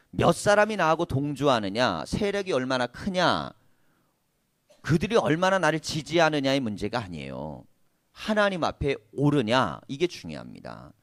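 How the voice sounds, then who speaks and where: A man's voice: mid-range voice, dry recording, studio quality. A male pastor preaching a sermon in a conversational way, asking his listeners many questions and laughing now and then. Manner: occasional laughter. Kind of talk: sermon at a prayer meeting.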